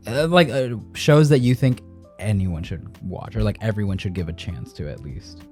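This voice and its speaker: Mellow, low-voiced man, casual podcast host. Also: lively intonation, moderate pace, faint music behind.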